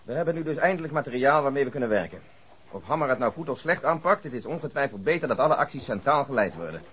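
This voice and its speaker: An actor playing a calm, practical male police detective with a husky voice, keeping the peace in a radio drama. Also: mid-range voice. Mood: placating. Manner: measured, conciliatory, matter-of-fact.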